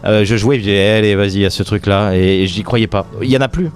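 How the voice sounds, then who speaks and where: A comedian from the French Riviera chatting in an interview, full of fillers and restarts and quick jokes. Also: male voice, on the low side, steady tone, faint music behind. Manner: hesitant, many fillers and restarts, jokey. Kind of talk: casual interview chat.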